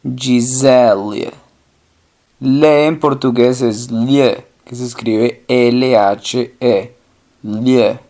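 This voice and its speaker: A man teaching a language lesson, asking questions and then answering them himself, slowly repeating each example word. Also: mid-range voice, steady tone, a little mellow.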